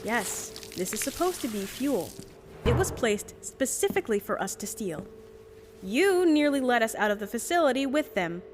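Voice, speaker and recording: Woman acting a cool, haughty high-pitched heiress. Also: sing-song, normal speed, noisy background. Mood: cool, confident. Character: cool, bluffing young corporate heiress turned thief. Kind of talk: audio drama acting.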